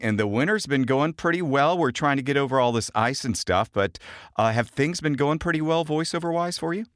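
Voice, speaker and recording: Animated American man hosting a podcast. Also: medium pitch, dry recording. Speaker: podcast host. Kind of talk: upbeat podcast chat. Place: home voiceover studio.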